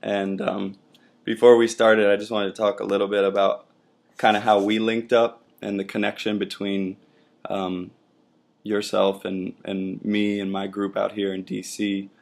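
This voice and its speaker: A man's voice: fairly low pitch, level tone, a little slow, vocal fry. A young man who hosts a casual interview and talks in a laid-back, loose way with many fillers.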